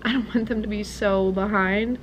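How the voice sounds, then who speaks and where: A woman's voice: mid-range voice, fairly even intonation, moderate pace, muffled recording, a little hiss or hum. A young woman, a music teacher, chatting casually and rambling with laughs as she vlogs from her car. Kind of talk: casual vlog chat.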